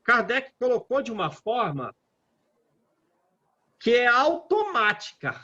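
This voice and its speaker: Slow, lively Brazilian man. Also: very high-pitched. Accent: Brazilian Portuguese. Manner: slow and reflective, rereads passages aloud, asks "né?". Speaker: Spiritist study group leader. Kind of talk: reading and commenting on scripture. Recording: dull lo-fi audio.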